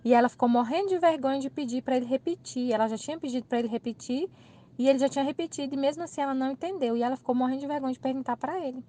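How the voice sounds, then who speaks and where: A Brazilian woman telling a personal anecdote in a casual, animated way, acting out the people in it and laughing at herself. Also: high voice, rapid-fire. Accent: Brazilian Portuguese. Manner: animated, laughing retelling with quoted dialogue. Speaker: channel host. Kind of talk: casual storytelling.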